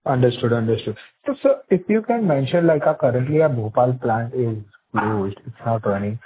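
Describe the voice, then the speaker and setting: A man's voice: medium pitch, animated, moderate pace, breathy edge. Deferential Indian man on a phone line. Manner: deferential, repeatedly saying sir. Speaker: investor or analyst caller asking questions. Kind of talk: conference call questioning. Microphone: phone call. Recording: muffled tinny phone line.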